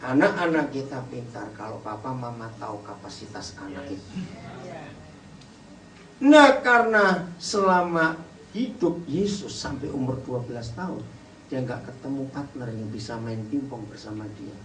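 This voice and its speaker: A man preaching a lively sermon to a family gathering, firing questions at the audience and urging them to answer. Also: medium pitch, moderate pace, far from the mic. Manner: animated, pushes the audience with repeated questions. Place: indoor hall with an audience. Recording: roomy hall sound, voice off-mic, faint background hiss.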